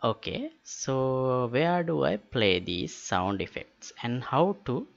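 A man walks through a software tutorial, slowly and haltingly. His voice has a creaky edge and stays matter-of-fact. The recording is dull and lo-fi. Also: mid-range voice, sing-song. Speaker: tutorial host. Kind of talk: step-by-step software tutorial narration. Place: indoors, screen-recording voice-over. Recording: dull lo-fi voice-over with clicks.

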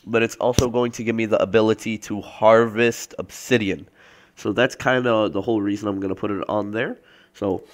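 A young man with a congested, stuffy nose from a cold, hosting a casual gameplay video with rambling, filler-heavy commentary. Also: lowish voice. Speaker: let's play host.

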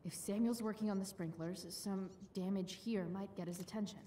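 A woman's voice: mid-range voice, fairly even intonation, moderate pace, warm tone, close to an everyday voice. An actress playing a rebellious, scheming teenage girl in a video game, with dry, wry asides to herself. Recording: game audio with faint background noise.

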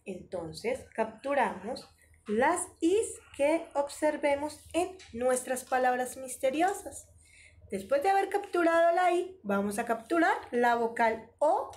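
Sing-song woman, lively preschool teacher. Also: high-pitched, slow pace. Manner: sing-song, exaggerated, encouraging. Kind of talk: online preschool lesson.

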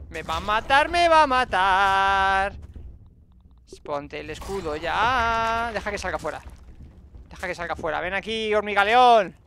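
A man giving excited gameplay commentary as a streamer, repeating words in quick bursts and talking to himself and his viewers. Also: high-pitched. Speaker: gaming streamer.

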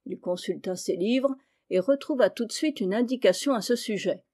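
A boastful, eager police inspector recounts his progress with self-satisfied relish, voiced by a woman reading an audiobook. The tone stays warm and soft rather than bright. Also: mid-range voice, moderate pace, close to an everyday voice. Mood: pleased.

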